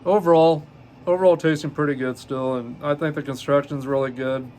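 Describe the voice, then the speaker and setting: A man in his fifties hosting a solo podcast, reading from notes in a halting way with many ums and uhs and frequent self-corrections. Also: on the high side, fairly even intonation, a little mellow, a little hiss or hum. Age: 50s. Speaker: podcast host.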